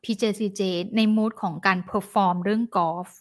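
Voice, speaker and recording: A woman's voice: medium pitch, steady tone, fairly quick. A woman telling a celebrity gossip story in a dramatic, chatty way, acting out the quoted lines.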